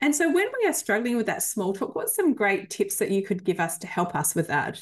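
A woman with an Australian accent. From rural Western Australia. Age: middle-aged. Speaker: podcast host. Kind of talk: casual interview chat.

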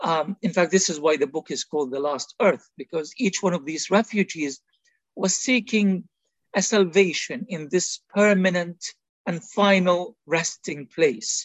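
In an Arabic accent, a man talks at a fairly slow pace with a high pitch and ordinary pitch variation. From Gaza Strip, Palestine. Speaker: author. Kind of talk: interview. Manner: halting, with repetitions.

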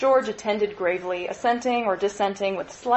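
In plain reading aloud, the pitch rises and falls in an ordinary way.

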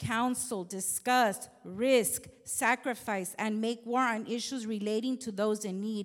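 Speaking at a very slow pace, a woman with a fairly high pitch comes through in a very clean recording against a silent background. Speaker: intercessory prayer group member. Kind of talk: testimony.

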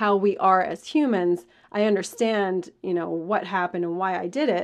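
In a Canadian accent, a woman with a plain, everyday voice speaks at a medium pitch and a fairly slow pace, her intonation fairly even against a quiet background. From Canada. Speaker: podcast host and executive coach. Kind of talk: solo podcast talk on leadership skills.

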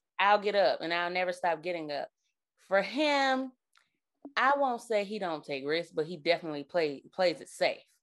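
Against a quiet background, a woman speaks at a moderate pace in a medium pitch with very wide pitch swings. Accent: American. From Birmingham, Alabama (US South). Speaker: marriage coach, former Marine. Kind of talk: interview conversation.

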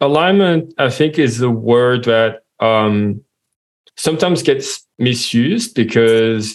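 At a very slow pace, a man with a French accent speaks at a medium pitch with lively intonation and very even loudness. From France.

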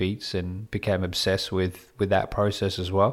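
In a very clean recording with a silent background, a man talks with an Australian accent. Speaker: rapper and producer. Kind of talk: casual chat.

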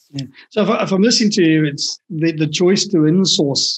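The man's voice is a little breathy, moving at a medium tempo with usual shifts in pitch. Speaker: co-host, chief operating officer. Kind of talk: casual interview discussion. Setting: video call.

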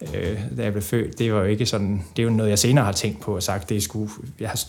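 A man's fairly low, somewhat breathy voice at a very fast pace. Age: 30s. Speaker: vegetarian association secretary general. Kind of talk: podcast interview.

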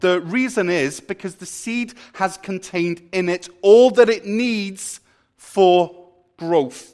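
A Welsh accent at a very slow pace. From Wales. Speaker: preacher. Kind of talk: sermon.

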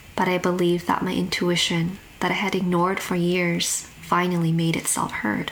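A woman speaks in a fairly low, monotone voice with very even loudness amid noticeable background noise. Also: moderate pace. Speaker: intuitive eating coach, dietitian. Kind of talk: personal story, testimony.

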